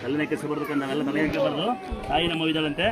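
A man with a Kannada accent, a temple priest instructing and blessing devotees at a fast, forceful pace. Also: fairly high pitch, flat delivery, over loud music. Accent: Kannada, Karnataka. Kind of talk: loud public address to devotees. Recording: loud crowd behind.

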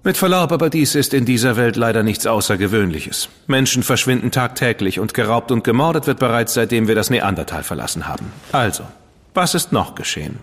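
An actor playing a witty, defiant dandy with a sarcastic, cheeky manner. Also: male voice, mid-range voice, lively intonation, a bit bright, in a large hall. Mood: sardonic. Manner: sarcastic, quick-witted, cheeky. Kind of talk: radio play acting.

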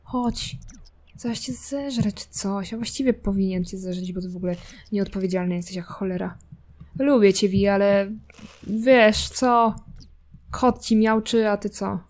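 A woman's voice: medium pitch, steady tone, moderate pace, a little mellow. A woman casually commenting while playing a life simulation game, chatty and teasing, talking to her characters and their cat. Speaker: gameplay streamer.

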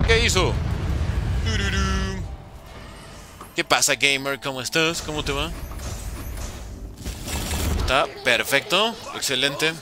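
A young man chatting jokily with his stream chat while playing, with sudden animated outbursts. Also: a little high. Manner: jokey, reads and answers chat, animated outbursts. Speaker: gaming streamer.

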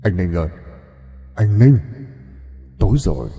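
A man's voice: low voice, sing-song, unhurried, creaky, mellow, in a large hall, faint music behind, full character voice. A man voicing a drowned young male ghost who calls out in a coaxing, sing-song way. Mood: eerie luring.

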